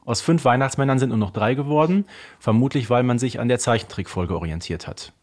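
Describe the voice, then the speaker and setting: Slightly husky man, podcast co-host. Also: mid-range voice, brisk, darkish tone. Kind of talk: casual conversational commentary.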